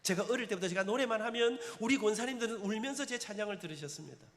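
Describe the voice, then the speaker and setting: A man's voice: high voice, expressive, very fast. A middle-aged man, a church elder with a Gyeongsang accent, giving an impassioned testimony sermon. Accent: Gyeongsang Korean. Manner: impassioned, emotional storytelling with dialect turns. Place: church sanctuary. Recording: long reverb in church sanctuary.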